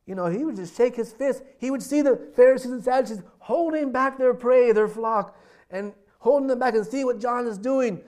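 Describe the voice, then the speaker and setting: A man delivers a sermon in a fairly high voice. He tells stories with animation, jumping to loud bursts and then dropping to hushed asides. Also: normal speed. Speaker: pastor.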